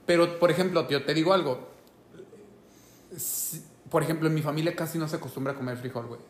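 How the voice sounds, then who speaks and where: A man's voice: fairly high pitch, quick pace, echoey room. A man from Oaxaca with a Mexican Spanish accent, chatting casually on a podcast in a slangy way. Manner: slangy, peppers talk with "güey". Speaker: podcast host.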